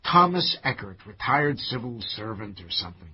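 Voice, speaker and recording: A man's voice: lowish voice, big pitch swings, normal speed, lo-fi sound. A man playing an anxious, defensive older gay owner of a cleaning business in a radio drama, agitated, stammering and sardonic. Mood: subdued, troubled.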